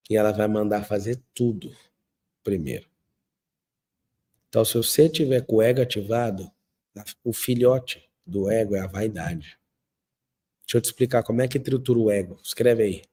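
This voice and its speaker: A Brazilian man with a dark, mellow voice, telling stories in an emphatic motivational talk. He acts out what others say and moves his delivery between loud bursts and soft, quiet passages. His pitch sits at an ordinary middle level. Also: husky. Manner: emphatic storyteller, acting out quotes and swinging between loud and soft. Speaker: speaker of a motivational talk show. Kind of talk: motivational talk with faith themes and family stories.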